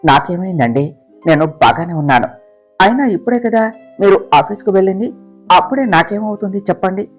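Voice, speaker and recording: A storyteller voicing a frightened young wife who pleads with her husband through tears, soft guitar playing behind. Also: medium pitch, expressive, brisk, natural voice. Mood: tearful. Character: tearful young pregnant wife, fearful and devoted. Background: soft guitar music.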